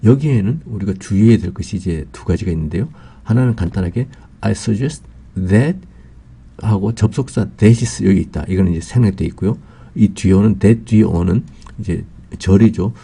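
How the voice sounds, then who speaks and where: A man teaching English grammar in a recorded lesson, explaining slowly and carefully, drawing out English example phrases with a Korean accent, and pausing on "ah" fillers. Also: on the low side, gravelly, dark tone, slightly rough.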